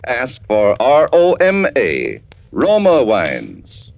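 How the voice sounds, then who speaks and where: A man reading a radio commercial in a smooth, persuasive, enthusiastic 1940s announcer style. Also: medium pitch, wildly swooping pitch, very slow. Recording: dull old radio recording.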